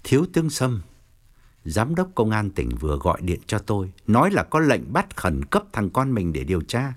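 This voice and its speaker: A harsh, domineering middle-aged chairman barks out blame and orders, as a male narrator puts him on. His pitch leaps and drops widely as he berates. It plays like a scene from a spoken storybook. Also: huge pitch swings, normal speed. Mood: stern. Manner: furious scolding, then lowered calculating tone. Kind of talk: audiobook character reading.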